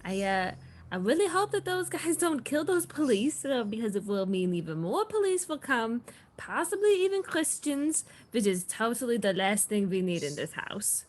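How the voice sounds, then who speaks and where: A woman plays an anxious male vampire housemate in a comedy read. The voice sits high and swings widely in pitch, halting as he fumbles through evasive excuses. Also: very animated. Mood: nervous. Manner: hesitant, halting.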